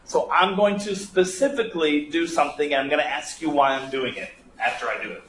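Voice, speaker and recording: Brisk and fairly bright, a slightly high male voice belongs to an instructor running a live writing class. He reasons aloud and lobs teasing, playful questions at the students, and the recording has room echo plus faint background noise.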